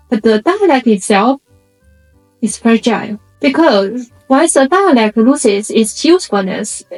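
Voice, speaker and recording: A woman with a fairly high voice and a Chinese accent, a native speaker of a Chinese dialect, narrates a reflective essay. She explains in measured short phrases, with music playing behind her. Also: rough recording. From China. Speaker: video essay host.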